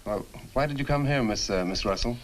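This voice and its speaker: A man's voice: mid-range voice, a little fast, a little hiss or hum, close to an everyday voice, rough recording. An actor playing a concerned, sceptical young man in an old horror film. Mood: questioning. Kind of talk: 1960 horror film acting. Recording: old film soundtrack with loud music.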